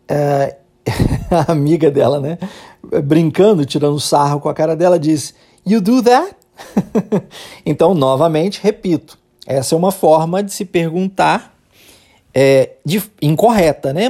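A Brazilian woman teaching English, explaining phrases patiently and modeling them slowly for the listener to repeat. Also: low voice, mellow, breathy edge. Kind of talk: language lesson with repeat-after-me drills.

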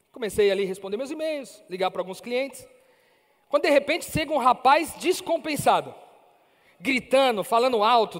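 High-voiced Brazilian man preaching in a hall. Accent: Brazilian Portuguese. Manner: animated, acts out dialogue. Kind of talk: sermon storytelling. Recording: reverberant hall, faint music.

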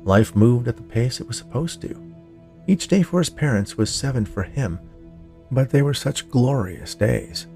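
A man narrating scripted fiction for a podcast in a measured storytelling way. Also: medium pitch, lively intonation, gravelly, a little mellow, faint music behind. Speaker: podcast narrator, writer and producer.

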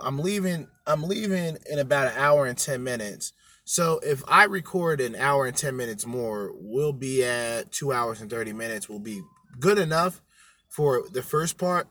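A man's voice: mid-range voice, a bit bright, no echo. A man co-hosting a podcast, ranting bluntly with heavy swearing. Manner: profane, blunt, emphatic. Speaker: podcast co-host. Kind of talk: crude ranting commentary.

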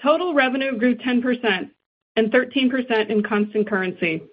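A woman finance executive reading a scripted earnings presentation in a formal, measured way. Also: a little high. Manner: formal, measured business delivery. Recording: dull, band-limited conference call audio.

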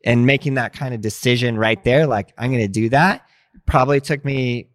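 Man, late thirties, from Montana, animated storyteller, dry recording. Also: medium pitch, moderate pace, dry recording. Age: 30s. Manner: animated, many fillers, acts out past thoughts. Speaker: guest, skateboard instructor. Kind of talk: casual interview storytelling.

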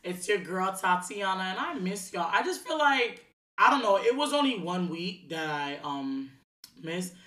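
A woman's voice: medium pitch, big pitch swings, a little slow, sharp tone. A woman hosting her own podcast, talking in a loose, slangy solo monologue full of fillers. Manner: chatty and slangy, many fillers. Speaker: podcast host. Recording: echoey room.

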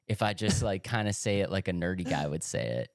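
A young man co-hosting a podcast in casual chat, relaxed and joking, who laughs a lot. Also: deep voice, fairly quick, no echo, studio quality. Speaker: podcast co-host.

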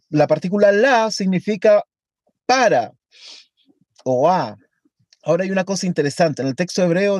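A man with a light, high voice teaches a lesson on a Hebrew text. He talks slowly and deliberately. The sound is dry and close to the mic. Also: a little mellow, no room sound. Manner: slow, deliberate, reads Hebrew aloud.

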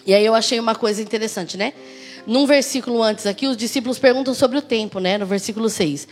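A woman with a Brazilian Portuguese accent preaching a sermon, full of rhetorical questions and lively personal stories. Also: on the high side, fast, faint music behind.

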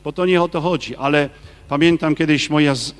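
A man, a Catholic priest, giving a lively sermon and firing rhetorical questions at his listeners. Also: fairly high pitch, brisk, clear, resonant tone, long reverb tail. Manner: acts out quoted people in his talk.

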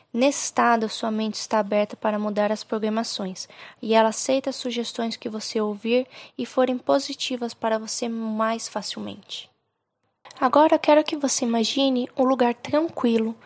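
With a Brazilian accent and a voice on the high side, a woman narrates a guided relaxation hypnosis in the style of a sleep story. She speaks soothingly and without hurry, giving gentle instructions separated by pauses.

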